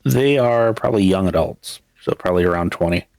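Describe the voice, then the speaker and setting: A man's voice: low-pitched, brisk, darkish tone, dry recording, low-quality recording. A man narrating a tabletop role-playing game as storyteller, rambling with many fillers. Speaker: game master.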